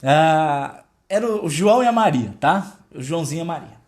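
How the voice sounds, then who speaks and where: A man preaching a devotional teaching, telling a story and addressing viewers directly in an animated way. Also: fairly high pitch, normal speed.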